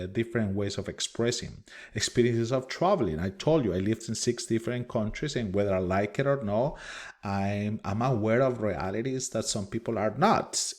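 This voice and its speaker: A man from Colombia with a thick Spanish accent, a minister giving a recorded lecture from his office in an earnest way, with many fillers and restarts. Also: medium pitch. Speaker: minister and teacher.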